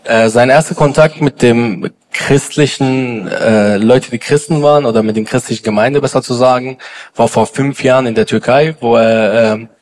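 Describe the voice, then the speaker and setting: A man's voice: medium pitch, moderate pace. A young man from Iran interpreting an interview in church, hesitant with fillers and self-corrections. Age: young adult.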